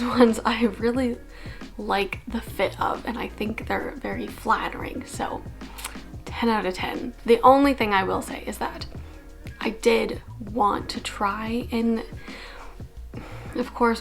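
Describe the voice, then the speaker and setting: Chatty young woman with a gravelly edge. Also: a little high, fairly even intonation, measured pace, faint music behind. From Canada. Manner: chatty, filler-heavy with many "like"s. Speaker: vlogger. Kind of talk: casual day-in-the-life vlog.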